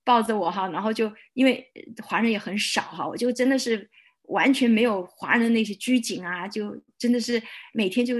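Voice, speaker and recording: A woman pastor giving a personal testimony, telling her story in a lively way and acting out her own prayers. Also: a little high, fairly quick, husky.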